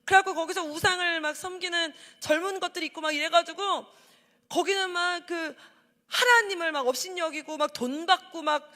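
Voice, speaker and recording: A woman evangelist preaching a sermon, acting out quoted voices and swinging from shouting to hushed tones. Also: very high-pitched. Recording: hall with long reverb.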